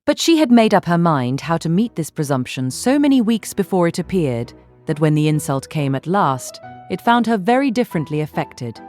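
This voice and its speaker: A woman reading a literary audiobook as narrator, measured and articulate. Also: lowish voice, sing-song, a little mellow, soft background music.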